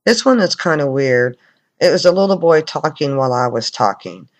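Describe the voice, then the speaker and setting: A man's voice: on the high side, lively intonation, normal speed, noisy background. A man commenting on recordings of spirit voices as a paranormal investigator.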